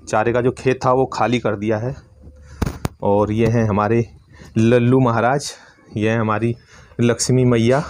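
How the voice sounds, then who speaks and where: A middle-aged man from Uttarakhand films a casual village vlog on his phone. His voice sits at an average pitch as he narrates everyday chores and playfully teases those around him. It sounds like handheld phone audio, mostly out in the open. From Uttarakhand, India. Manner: teasing, playful chatter with family, animals and children. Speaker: village family vlogger. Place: village home, mostly outdoors in yard and fields. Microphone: phone at arm's length.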